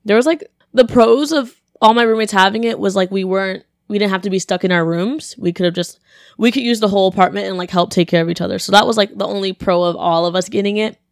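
A young woman, a college student, telling a story in casual chat, her voice deeper than usual and a bit congested, with lots of "like" and acted-out quotes. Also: fast, creaky, no echo, studio quality. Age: young adult. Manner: chatty, animated, lots of "like", acts out quotes.

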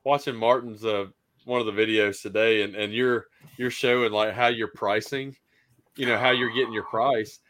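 A man's voice: fairly low pitch, steady tone, moderate pace, fairly bright tone. A man with an American accent hosting a casual podcast chat. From United States. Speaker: podcast host.

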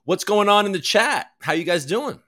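A man's voice: high-pitched, lively intonation, moderate pace, sharp tone. A man hosting a crypto news livestream, chatting casually in a rambling, self-deprecating way and swearing freely. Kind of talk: casual chat.

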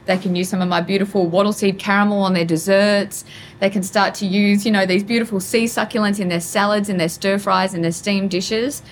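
A woman's voice: medium pitch, steady tone, a little fast, a little hiss or hum. A woman with an Aboriginal Australian accent speaking earnestly and emphatically in a conversational interview, repeating her key phrases. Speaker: podcast guest, native food chef and business owner.

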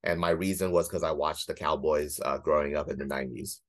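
A man in his thirties with a very low-pitched voice tells his own story in casual conversation. He is matter-of-fact and dryly self-deprecating, like a guest laying out his career path. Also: fairly even intonation, brisk. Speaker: guest, former corporate lawyer.

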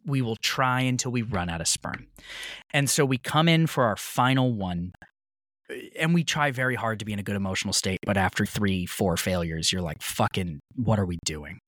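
A man's voice: fairly low pitch, expressive, moderate pace, fairly bright tone, no echo. A man from Maine, a podcast guest in his thirties, telling a story in casual conversation, swearing freely and acting out the other people in it. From Maine, USA. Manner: heated, swears freely, voices others in retold dialogue.

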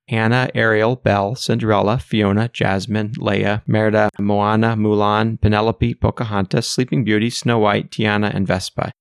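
A man runs a relaxed guessing game at home, calmly explaining the rules and reading out the list of answers. His voice has a gravelly fry in it, and the sound is close and dry. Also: fairly low pitch, normal speed, few pauses, no echo. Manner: easygoing, guiding the players. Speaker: quiz host. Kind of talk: casual game chat.

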